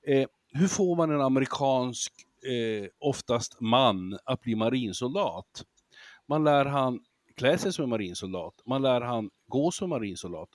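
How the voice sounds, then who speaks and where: Male guest lecturer, mid pitch, animated storyteller, dry booth-like sound. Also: no echo. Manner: lively storyteller who acts out examples and laughs easily. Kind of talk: casual interview talk.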